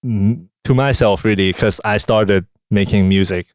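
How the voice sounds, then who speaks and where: A young man from Hong Kong, a musician chatting in a studio interview, talking in a relaxed, halting way with many fillers. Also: lowish voice, no room sound. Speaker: musician guest. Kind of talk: casual interview chat.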